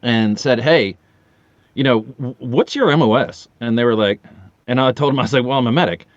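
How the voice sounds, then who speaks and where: Brisk and medium-pitched, a man in his forties spins casual anecdotes as a podcast guest, voicing the quoted dialogue the way an audio drama actor would. There's no echo, but the audio sounds dull.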